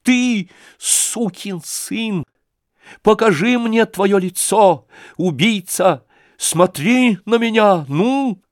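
A man's voice: mid-range voice, sing-song, drawn-out words, few pauses, darkish tone, dry recording, clean studio sound. A man voicing a small comic fiddler who speaks weightily and with command.

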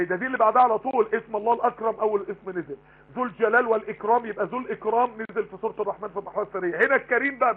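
Rapid Egyptian preacher, tinny online stream. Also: male voice, sits high, husky. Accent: Egyptian Arabic. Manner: rapid, emphatic, rhetorical questions. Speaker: Quran teacher. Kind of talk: live online Quran lesson. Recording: tinny phone-line broadcast.

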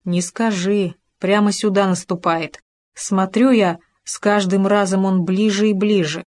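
A woman voicing a big, sorrowful male bear who speaks slowly and mournfully in a storybook reading. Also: medium pitch, fairly even intonation, a little mellow, dry recording, lightly acted. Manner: slow, mournful and brooding.

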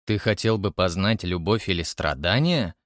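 A man voicing a dry, sarcastic handyman with a deeper voice, in an audiobook reading. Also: lively intonation, moderate pace, a bit bright, no room sound. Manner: dry, mocking. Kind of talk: audiobook character voice.

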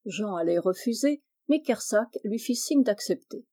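A woman reading a classic novel aloud, narrating steadily and clearly. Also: mid-range voice, lively intonation, measured pace, mellow. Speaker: audiobook reader.

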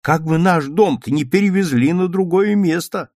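A man's voice: on the high side, darkish tone, no room sound, clean studio sound, pitched above the performer's own voice, lightly acted. A man voicing a fussy, anxious old grandmother who grumbles and scolds in a storybook reading. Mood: fretful. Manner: grumbling, fretful, quick to scold.

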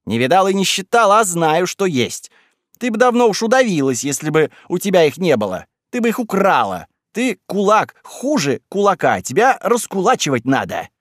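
A man voicing a blunt young village woman who speaks in a shrill, accusing way. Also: very animated, normal speed, no echo, clean studio sound.

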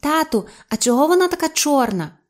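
A woman voicing a chattering talking salamander that creakily parrots phrases in a squeaky, odd-sounding voice. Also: very animated, fairly quick. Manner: repeats phrases eagerly, polite.

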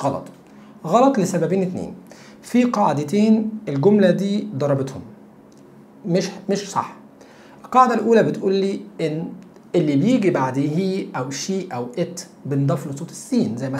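A man with an Egyptian Arabic accent teaching English grammar, repeating example sentences slowly and asking the viewer rhetorical questions. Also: on the high side, darkish tone, slight background noise. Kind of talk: grammar lesson explanation.

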